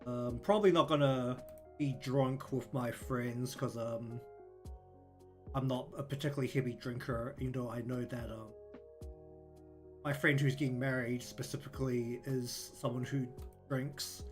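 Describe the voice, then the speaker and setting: A man with a New Zealand accent chats loosely on a livestream, wandering through his thoughts with plenty of ums and likes. His voice sits at an ordinary middle pitch, with soft lofi music playing faintly behind. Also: steady tone, a little slow. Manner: rambling, many ums and likes. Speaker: streamer and artist. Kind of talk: casual livestream chat.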